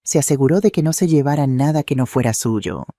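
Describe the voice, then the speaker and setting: A man reading a scripted first-person story in a steady, earnest way. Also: medium pitch, a little fast, dry recording, studio quality. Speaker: narrator.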